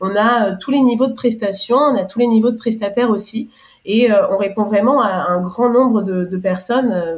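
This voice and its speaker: The speech comes at a moderate pace in a somewhat breathy voice, its pitch varying in an ordinary way. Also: woman. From France, Paris. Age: 30s. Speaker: entrepreneur. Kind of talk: interview conversation. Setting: podcast. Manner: hesitant, many fillers.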